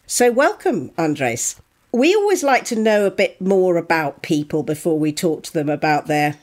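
A woman hosts an interview podcast, speaking articulately through prepared introductions and questions. Her voice sits on the low side for a woman. Her intonation is lively and moves a lot. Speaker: podcast host.

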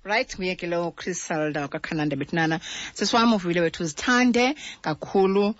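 A man with a South African Xhosa accent presenting a lively call-in radio show as host. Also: sits high, a little fast, highs cut off.

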